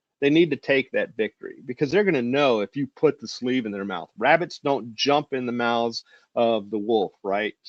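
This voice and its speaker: An unremarkable speaking voice from a man, moderate pace, lively intonation, quiet background, and a dry, close sound with no echo. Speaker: dog trainer. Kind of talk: live stream talk. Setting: live stream.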